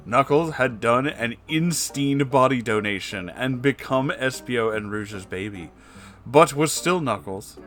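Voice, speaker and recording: A man's voice: medium pitch, a bit bright. A man reading fan fiction aloud for comedy, mock-serious and amused, with dry asides. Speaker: reader.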